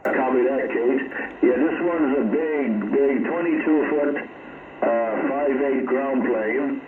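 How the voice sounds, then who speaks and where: A man's voice: medium pitch, takes it slowly, narrow, tinny audio. A man from Newfoundland working as a radio operator, giving clipped callouts over noisy, echoing CB reception. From Newfoundland, Canada. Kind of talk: radio contact exchange. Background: heavy radio static.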